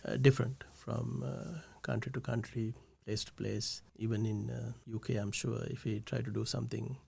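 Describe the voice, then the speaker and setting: A man's voice: mid-range voice, gravelly, darkish tone, no echo. A man from Sri Lanka, an economist guest explaining step by step with many filler sounds and restarts. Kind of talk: explanatory podcast talk. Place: studio.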